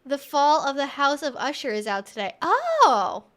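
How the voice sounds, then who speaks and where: A woman's voice: high-pitched, wildly swooping pitch, unhurried, fairly bright tone. A woman hosting a livestream, chatting casually and informally, rambling a little as she thinks aloud. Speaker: livestream host and educator.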